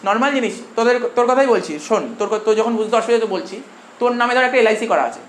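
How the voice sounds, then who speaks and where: A man's voice: extremely high pitch, rapid-fire. A male commerce teacher with a Bengali accent, lecturing a class and constantly quizzing his students with repeated questions. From India. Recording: echoey room with faint noise.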